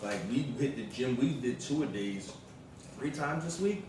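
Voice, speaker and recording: A man's voice: medium pitch, expressive, unhurried. An American man chatting casually on a vlog, slangy and repetitive as he tells stories. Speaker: vlog co-host, the vlogger's partner. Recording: roomy echo, distant mic, noisy background.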